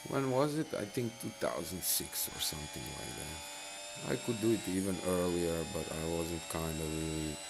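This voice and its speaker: A man's voice: deep voice, normal speed, noisy background. A man giving casual, rambling commentary while playing a racing game, full of fillers and restarts. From Bosnia and Herzegovina. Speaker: mobile racing game streamer.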